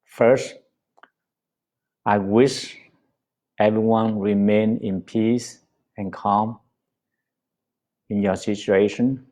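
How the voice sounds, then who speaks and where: Brief: male Buddhist teacher, Vietnamese accent, gentle halting delivery, low pitch. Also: fairly even intonation. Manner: slow and gentle, many pauses and fillers. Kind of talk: dharma talk on a livestream.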